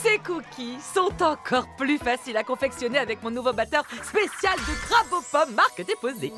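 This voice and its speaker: A woman's voice: sits high, big pitch swings, normal speed, loud music behind the voice. A woman voicing a haughty, bossy, hypocritical rival baker in a French cartoon dub, prim and condescending. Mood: boastful. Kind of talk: French animated series dub acting.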